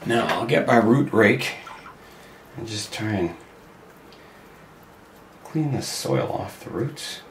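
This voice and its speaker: Hoarse older man working in a greenhouse. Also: lowish voice, lively intonation, slow, long pauses, slight background noise. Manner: chatty, thinking aloud while working. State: hoarse from a cold. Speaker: bonsai channel host. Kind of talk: casual hands-on demonstration. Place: glass greenhouse.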